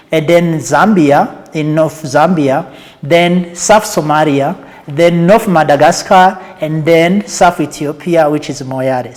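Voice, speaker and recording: A man's voice: on the high side, darkish tone. A man speaking as an interview guest and advocate, explaining methodically, point by point. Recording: echoey hall-like reverb.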